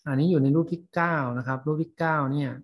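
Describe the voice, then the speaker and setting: Male lecturer, husky voice, halting delivery full of pauses. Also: on the high side, fairly even intonation, lo-fi sound. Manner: slow, halting, many fillers. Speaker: teacher. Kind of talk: lecture on reading scientific English.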